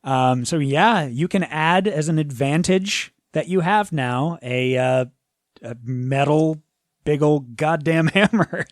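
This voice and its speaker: A man's voice: fairly high pitch, slow, no room sound. Casual male game master, dry recording. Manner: informal, swearing. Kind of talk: casual improvised tabletop game narration.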